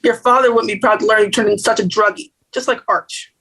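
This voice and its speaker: A woman's voice: a little high, steady tone, fast talker, a bit bright, husky, low-quality recording. A woman reading the part of a nagging middle-aged Jewish mother at a table read. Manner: nagging, blunt.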